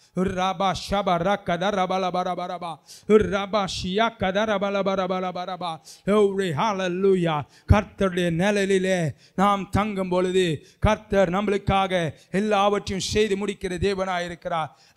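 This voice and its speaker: Against a quiet background, a man with a high pitch speaks in an animated tone. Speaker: preacher. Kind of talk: sermon. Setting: church. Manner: animated, fervent; expository, rhythmic repetition. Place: church. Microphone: handheld.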